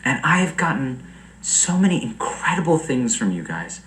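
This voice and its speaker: Animated young man, casual stream chat. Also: medium pitch, moderate pace, reverberant, slight background noise, rough recording. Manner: rambling, animated, laughs often.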